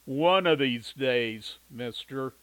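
A man voicing a gruff, tough movie cowboy with a loud, drawn-out growl. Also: mid-range voice, dry recording, close to an everyday voice, low-quality recording. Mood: menacing.

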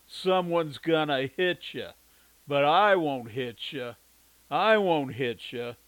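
Brief: male narrator playing a slow, loud, growling cowboy. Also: on the high side, no echo, poor audio. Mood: menacing. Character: gruff, tough movie cowboy.

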